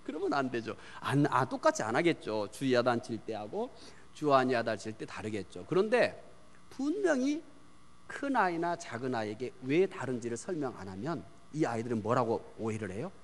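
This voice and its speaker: A man preaching a sermon on parenting, asking the congregation questions and answering them himself, swinging from loud emphasis to hushed near-whispers. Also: medium pitch, wildly swooping pitch, normal speed. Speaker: pastor. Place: church sanctuary. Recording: long church hall reverb.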